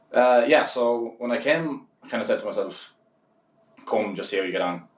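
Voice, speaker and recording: This man speaks in a Cork accent. His pace is moderate. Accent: Cork Irish. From Ireland, Cork. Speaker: singer, Irish emigrant. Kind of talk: casual interview chat. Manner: relaxed.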